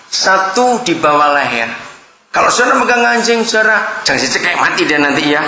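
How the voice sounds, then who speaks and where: A man's voice: high voice, pushed and bright. A man preaching a sermon, telling humorous stories and addressing his listeners directly. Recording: roomy echoing hall.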